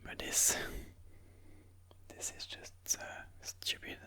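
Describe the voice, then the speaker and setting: Bright ASMR whisper, hushed chess commentary. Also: slow pace. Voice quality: whispered, breathy, unvoiced. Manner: hushed, musing aloud move by move.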